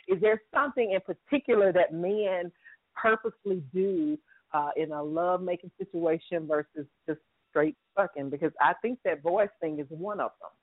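A woman's voice: medium pitch, no room sound, narrow, tinny audio. A woman hosting a talk radio show, chatting casually and teasing her callers with a playful manner. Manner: playful, teasing, laughs a lot. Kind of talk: casual late-night talk radio chat.

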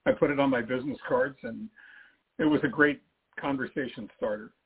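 An older man, a guest author on a radio interview, talking in a halting, easygoing way with frequent restarts. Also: mid-range voice, slightly rough. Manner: halting, repeats himself, easygoing humor. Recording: tinny phone-line audio.

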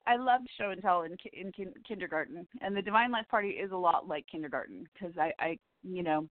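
A woman hosting a spiritual radio show, her voice scratchy and hoarse, chatting in a rambling, heartfelt way with little laughs. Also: on the low side, a little fast, no room sound. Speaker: radio show host and psychic reader. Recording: tinny phone line, dry.

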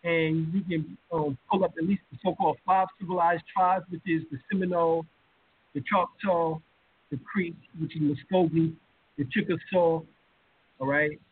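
A man's voice: fairly high pitch, steady tone, normal speed, slightly rough. Emphatic man on a tinny call line. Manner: emphatic, with many fillers and rising heat. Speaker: lecturer and show host. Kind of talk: casual live-stream lecture. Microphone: video call.

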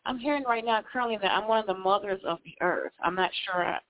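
A woman's voice: mid-range voice, fast talker. Hesitant woman caller on a phone line. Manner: hesitant, unsure.

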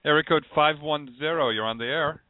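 A man's voice: fairly high pitch, fairly quick, no room sound. A man from Rhode Island hosting a call-in show in a casual radio style. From Rhode Island, United States. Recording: narrow, phone-like sound.

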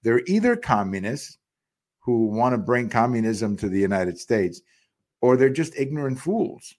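Middle-aged man, mid-pitched voice, solo political podcast host, indignant, repeats himself, lots of uh's. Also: very animated, unhurried, darkish tone. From Cuba. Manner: indignant, repetitive, many fillers and restarts. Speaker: podcast commentator. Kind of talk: political commentary monologue.

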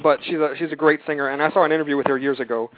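A man hosting an interview, asking questions in a brisk, chatty, self-deprecating way. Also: a little high, steady tone, background noise. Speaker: host. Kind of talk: interview questions, casual chat. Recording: dry phone-line sound.

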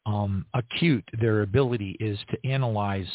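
A man leading a spontaneous spoken prayer, earnest and halting, with frequent restarts. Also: fairly low pitch, no echo. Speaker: prayer leader. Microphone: online stream. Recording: tinny phone-like line, dry.

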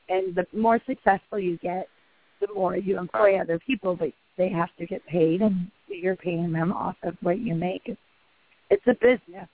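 A woman in her thirties with a husky voice, an actress guest talking casually in a rambling, chatty way with many restarts. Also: on the low side. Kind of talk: phone interview. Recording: tinny phone line.

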